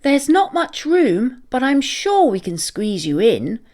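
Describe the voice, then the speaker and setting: A friendly little storybook camper van, played by a woman, helpful and welcoming. The voice hoots along high and very lively. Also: slow pace, full character voice. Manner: hooting, bright greetings.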